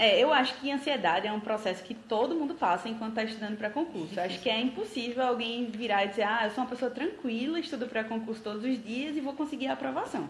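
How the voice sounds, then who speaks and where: Over noticeable background noise, a woman with a fairly high voice talks at a very fast pace with lively intonation and hardly any pauses. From Brazil, Recife. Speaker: federal government lawyer. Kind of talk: casual chat. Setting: live video stream.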